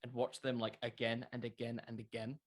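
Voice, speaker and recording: A man's voice: mid-range voice, monotone, a little fast. A young man talking casually as an interview guest, explaining things earnestly in a rambling way. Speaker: interview guest, wrestling content creator.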